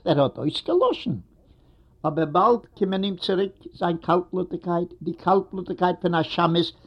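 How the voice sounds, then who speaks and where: A man reading a literary story aloud in a steady storytelling manner. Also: a little high. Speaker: narrator. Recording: dull lo-fi recording.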